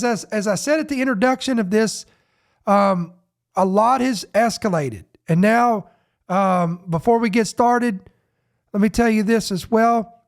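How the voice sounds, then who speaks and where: Sniffly high-voiced man hosting a podcast. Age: adult parent. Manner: rambling, off-the-cuff, many restarts. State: sniffly with a head cold. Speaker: podcast host. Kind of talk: casual news podcast chat.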